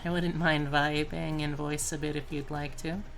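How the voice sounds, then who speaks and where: Woman, VTuber artist from the US, low voice, unhurried casual stream chat, music behind. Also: flat delivery, vocal fry. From United States. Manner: unhurried, half talking to self with pauses. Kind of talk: casual livestream chat while drawing.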